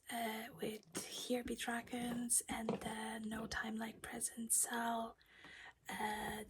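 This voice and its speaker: Lady whispering slow and gravelly about her stitching, voice going. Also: on the high side, a bit bright, a little hiss or hum. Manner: whispering throughout. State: losing her voice. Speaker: cross-stitch vlogger. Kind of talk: casual project chat. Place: at home.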